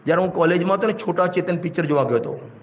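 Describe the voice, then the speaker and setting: A man's voice: high voice, very fast, dull audio, slight background noise. A man with a Gujarati accent giving a religious sermon as a pandit, exhorting his listeners, telling stories with everyday examples and asking them questions. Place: religious hall.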